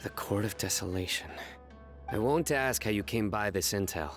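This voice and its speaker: A man playing a terse stern investigator, low. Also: normal speed, soft background music, lightly acted. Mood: grave. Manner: terse, serious. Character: stern grown male investigator, serious.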